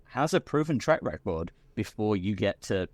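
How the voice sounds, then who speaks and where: A British man, a podcast guest, talking in a relaxed, rambling way with many restarts. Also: lowish voice, normal speed, dry recording. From Britain. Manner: chatty, full of restarts and repeated words. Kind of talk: casual chat.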